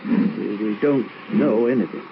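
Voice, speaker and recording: A man's voice: lowish voice, unhurried, gravelly. An actor playing a shaken, grief-stricken older father who stammers and halts, in an old radio drama. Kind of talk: 1940s radio acting. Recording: dull old radio recording with faint hiss.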